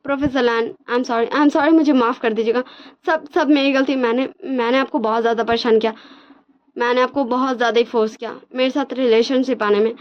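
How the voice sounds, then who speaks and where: A woman voicing a hurt young male student who apologizes in soft, halting speech. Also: a little high, fairly even intonation, close to an everyday voice. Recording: dull lo-fi recording.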